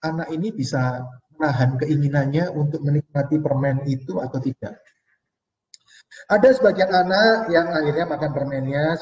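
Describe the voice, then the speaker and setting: A man in his forties gives a live online money seminar with a slightly high voice, talking to viewers as friends and reading out their comments. His voice sounds distant and dull, caught in a roomy space. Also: darkish tone. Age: 40s. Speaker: financial seminar speaker.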